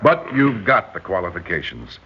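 A man's voice: deep voice, big pitch swings, normal speed, slight background noise. An actor playing a bossy male spy contact who runs the operation, speaking in a firm, scolding way, in a 1960s radio drama. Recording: dull lo-fi old radio recording.

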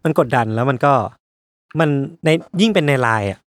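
A man with an ordinary mid-range voice chats casually on a podcast. He tells his anecdotes in a relaxed, joking way. The recording is dry and close. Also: mid-range voice, brisk, no room sound. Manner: relaxed, jokey, teasing. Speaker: podcast co-host. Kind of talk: casual chat.

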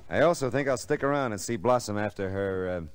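An American actor playing a wry, terse private detective in old-time radio drama style. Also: male voice, fairly low pitch, fast talker, slight background noise, close to an everyday voice. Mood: cool, needling. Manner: terse, dry, sardonic. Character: hard-boiled, wry private detective, unflappable and needling. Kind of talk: 1940s-50s radio detective acting and narration. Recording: vintage radio drama with music.

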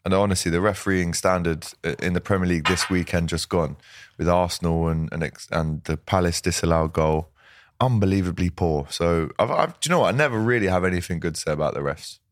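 A man with a hoarse voice hosting a casual football fan chat, reading out viewer comments with excitable banter. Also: low voice, a little fast. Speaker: host.

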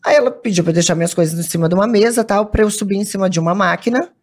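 A woman's voice: mid-range voice, racing. A woman with a Brazilian accent, a podcast guest telling a story in casual chat, acting out the lines of the people in it. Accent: Brazilian Portuguese. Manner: animated storyteller acting out quoted dialogue.

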